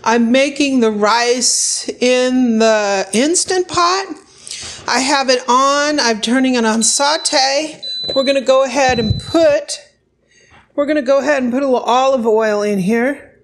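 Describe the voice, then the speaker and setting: A woman's voice: sits high, measured pace, slight background noise. A woman casually narrating her home cooking in a chatty, unscripted way, thinking aloud as she goes. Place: home kitchen, indoors.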